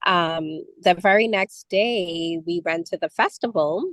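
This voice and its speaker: Woman, from the Bahamas, low-ish voice, dry sound, chatting on a call from a car. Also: measured pace, no echo, low-quality recording. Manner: conversational, with frequent fillers. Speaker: community member sharing travel experience. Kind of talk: casual talk on a call. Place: in a moving vehicle.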